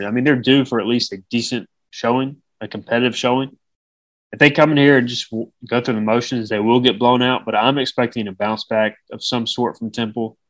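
A man's voice: mid-range voice, a bit bright, dry recording, rough recording. A man with a slightly nasal voice hosting a sports podcast, talking casually through his opinions and game predictions. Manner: conversational, gives opinions and predictions. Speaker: podcast host.

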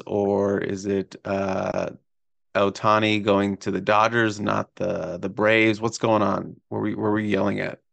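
A man's voice: on the low side, creaky, a bit bright. A man hosting a casual sports podcast, chatting and teasing his co-host in a playful way.

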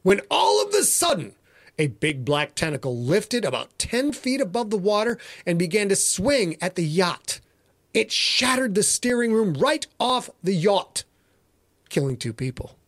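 A man's voice: high-pitched, very animated, a little slow, fairly bright tone, no echo, studio quality. A man hosting and narrating his own podcast in a playful, theatrical way. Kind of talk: dramatic story reading and casual podcast talk.

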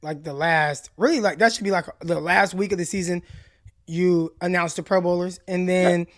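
A man co-hosting a sports podcast, talking in a passionate, deliberate and emphatic way. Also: high voice, fairly even intonation. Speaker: podcast co-host. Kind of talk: casual sports chat.

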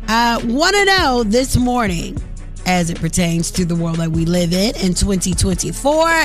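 A woman co-hosting a morning radio show, talking casually and frankly. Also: mid-range voice.

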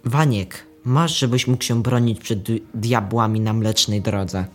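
A man's voice: lowish voice, unhurried, soft background music, lightly acted. A young male performer playing a naive poor boy in a radio play, speaking simply. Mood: solemn.

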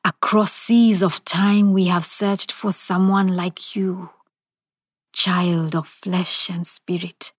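A woman voicing an ancient, nameless male spirit, slow and menacing, in an audio story. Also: on the low side, slightly rough, dry recording, clean studio sound. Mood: hissing. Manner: whispering, roaring, menacing.

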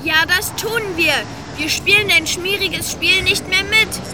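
A woman's voice: very high voice, measured pace, crowd noise. A woman voicing a brave, loyal little talking train in a children's audio drama, with a childlike, earnest manner. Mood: determined. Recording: loud music under the voice.

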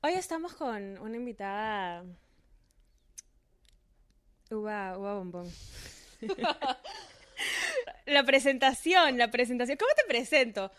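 Playful woman podcast host, fairly high voice. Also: expressive, slow pace, long pauses, a bit bright, dry recording. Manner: playful, piles on gushing compliments. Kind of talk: casual podcast chat.

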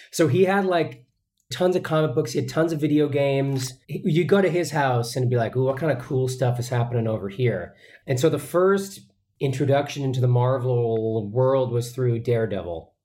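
A man from the Boston area, a voice actor guest, telling stories in a relaxed, reflective and rambling way. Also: medium pitch. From Boston area, USA. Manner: reflective, rambling, many fillers and restarts. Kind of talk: relaxed storytelling in an interview.

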